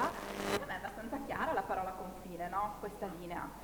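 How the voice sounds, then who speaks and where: With noticeable background noise and audible room echo, a woman speaks at a fairly quick pace. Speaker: university professor. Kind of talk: talk on stage at event.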